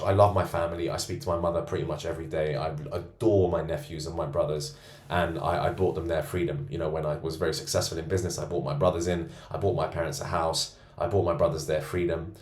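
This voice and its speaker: Deep-voiced boastful man in roomy echo. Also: darkish tone. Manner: boastful and self-assured. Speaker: men's self-improvement coach. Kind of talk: self-rating monologue to camera. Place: co-working space.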